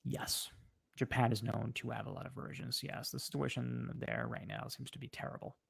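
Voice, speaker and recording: A man with a French accent, a native French speaker, chatting casually on a livestream and answering viewers in a halting way, often pausing mid-sentence. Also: medium pitch, very animated, creaky, a bit bright, breathy edge. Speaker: livestream host.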